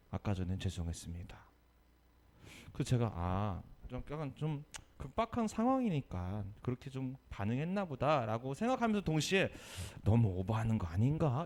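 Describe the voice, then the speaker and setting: A male pastor giving a Sunday sermon, telling a story with lively energy and asking the congregation questions. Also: mid-range voice. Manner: animated storytelling, acting out quotes.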